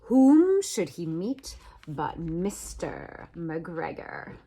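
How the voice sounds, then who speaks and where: A woman reading a children's story aloud as an animated narration, expressive, with dramatic swoops and pauses. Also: lowish voice, breathy edge. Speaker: storybook reader.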